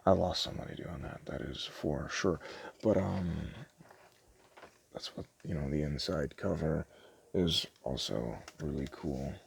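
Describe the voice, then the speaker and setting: Very deep, gravelly, hesitant man. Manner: hesitant, rambling, self-deprecating. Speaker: ASMR roleplayer playing a small DVD shop owner. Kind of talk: ASMR roleplay, casual improvised sales chat.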